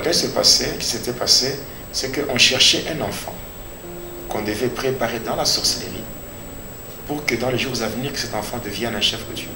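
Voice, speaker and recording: A man with a Congolese accent giving a personal religious testimony as a pastor, speaking deliberately and repeating phrases for emphasis. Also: mid-range voice. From Democratic Republic of the Congo. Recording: echoey room with clear background noise.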